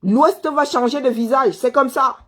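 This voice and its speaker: A woman from Cameroon, working as a commentator who answers viewers, speaks in a high voice at a measured pace. She gives a heated monologue, scolding the listener, repeating herself, and asking rhetorical questions.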